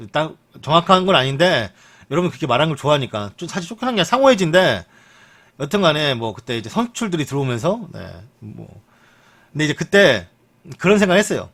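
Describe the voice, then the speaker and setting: A young man streaming live, reading football news in a chatty, joking way and muttering asides. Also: fairly quick. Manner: chatty, lively pitch, jokes and mutters asides. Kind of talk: casual live-stream commentary.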